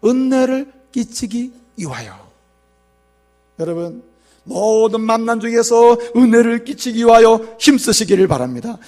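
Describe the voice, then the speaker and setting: Male pastor, high voice, church sermon, asks the congregation questions. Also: a little mellow. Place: church sanctuary.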